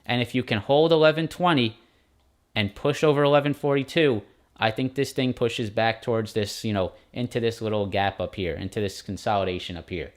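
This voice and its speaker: A man hosting a morning stock market live stream, casually walking viewers through charts and calling them guys. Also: on the low side. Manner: quick, informal, addresses viewers as guys.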